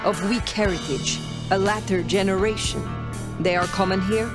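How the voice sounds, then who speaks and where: An actor voices an age-old vampire for a video game. The speech is formal and imperious, set at a middle pitch. Heavy music runs behind it. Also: steady tone, normal speed, close to an everyday voice. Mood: cool curiosity. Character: proud, formal ancient vampire elder.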